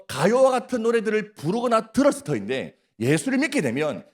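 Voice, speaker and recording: A male pastor with a Gyeongsang accent preaching a sermon at a prayer meeting, often putting questions to the congregation and teasing them. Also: very high voice. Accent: Gyeongsang Korean. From Gyeongsang region, Korea. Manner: questions the congregation, prompts replies, jokes. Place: church.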